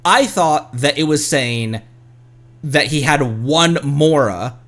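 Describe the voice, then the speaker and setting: A man hosting a live game stream with casual, expressive, self-teasing commentary. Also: a little high, slow.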